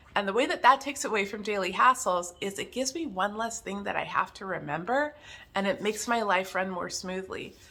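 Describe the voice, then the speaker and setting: A woman's normal speaking voice at medium pitch, fairly quick, with lively intonation. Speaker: corporate psychologist and executive coach. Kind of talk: casual advice talk to camera. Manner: conversational, with fillers.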